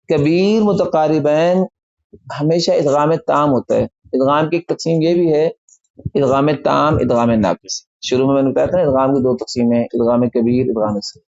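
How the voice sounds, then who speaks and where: A man teaching a lecture on Quran recitation rules, explaining step by step and repeating key terms slowly for emphasis. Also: medium pitch, warm tone, muffled recording.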